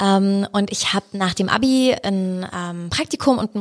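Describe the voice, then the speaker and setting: Pitch variation here is ordinary. It is an ordinary speaking voice. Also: woman. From Bavaria, Upper Palatinate (near Neumarkt). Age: 20s. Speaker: radio host and influencer. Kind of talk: casual interview chat. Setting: radio station studio.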